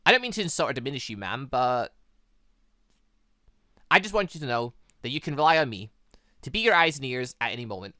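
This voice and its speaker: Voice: medium pitch, sing-song, fairly quick, long pauses, bright, forceful tone, dry recording, studio quality. A gaming host voicing a devoted young henchwoman in a visual novel, polite, hesitant and earnest. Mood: earnest, deferential. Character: deferential, eager young female henchwoman devoted to her mistress.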